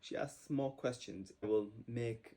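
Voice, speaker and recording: A man co-hosting a casual chat with his wife, mostly agreeing briefly in a relaxed way. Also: mid-range voice, measured pace. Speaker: co-host, husband.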